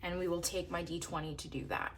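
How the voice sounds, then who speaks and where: Young canadian woman counting cash out loud, kinda hoarse, lowish voice, faint room hum. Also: fairly quick. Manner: chatty, counts bills aloud in steady rhythm. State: slightly hoarse from a coming cold. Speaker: budgeting vlogger. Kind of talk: casual narration while counting cash.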